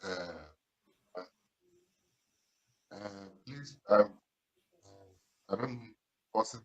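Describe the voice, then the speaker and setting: A man's voice: lowish voice, extremely slow. A man speaking into a phone on a call, formal and hesitant. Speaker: guest questioner. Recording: dull echoey phone audio.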